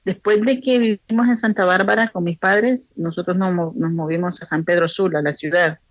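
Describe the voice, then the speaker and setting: A woman from Honduras with a Honduran accent, a pastor answering interview questions thoughtfully, with frequent pauses and restarts. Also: lowish voice, steady tone, dry recording, lo-fi sound. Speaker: pastor's wife and guest.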